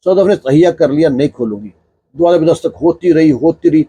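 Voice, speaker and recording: A man tells a domestic story in a loose, chatty manner, often breaking it up with small fillers. His voice is husky and mellow, and it sits fairly high for a man. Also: no room sound. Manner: conversational, filler-laden narrating. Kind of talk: casual spoken storytelling.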